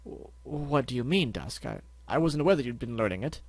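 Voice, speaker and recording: A man's voice: medium pitch, animated, fairly quick, dry recording. A man voicing a flamboyant white unicorn stallion who talks in a theatrical, fussy and flustered way in a storybook reading. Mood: flustered pleading.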